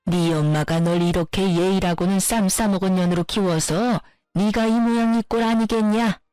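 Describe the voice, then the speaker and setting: A woman's voice: mid-range voice, steady tone, normal speed, dark tone, clear, resonant tone, no echo, faint music behind, close to an everyday voice, low-quality recording. A woman voicing a domineering, insulting older mother-in-law who scolds with contempt, in a narrated story. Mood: yelling.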